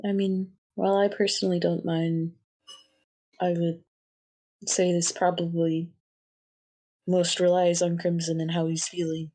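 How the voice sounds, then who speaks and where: Slow, hesitant woman at the game table. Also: on the low side, level tone, warm tone.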